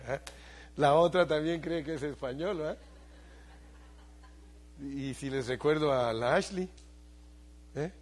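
Older male pastor with a husky voice; conversational sermon delivery, asking the congregation questions as he goes. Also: fairly high pitch, takes it slowly, long pauses.

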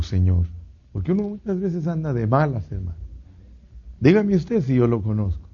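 A man preaching a sermon in an animated way, swinging between loud bursts and hushed asides. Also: mid-range voice, slightly rough. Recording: dull lo-fi recording.

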